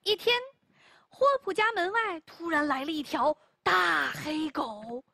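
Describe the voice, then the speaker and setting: A woman telling a story to children in an animated, exclamatory way. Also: high voice, a little slow, gravelly, no echo.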